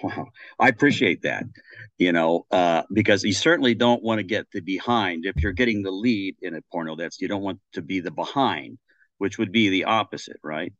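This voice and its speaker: A man's voice: deep voice, normal speed, fairly bright tone, no room sound, highs cut off. A man, an actor being interviewed, joking along in a goofy, rambling way. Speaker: actor, podcast guest.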